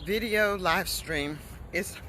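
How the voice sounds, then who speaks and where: An American woman from North Carolina, an English coach, talking slowly and deliberately to learners on a walk along a boardwalk, recorded on a phone. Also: fairly low pitch, pushed and bright, poor audio. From North Carolina, USA. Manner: slow, deliberate teacher talk while walking. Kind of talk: live-streamed walking chat. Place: outdoor boardwalk. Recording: outdoor noise with passing traffic.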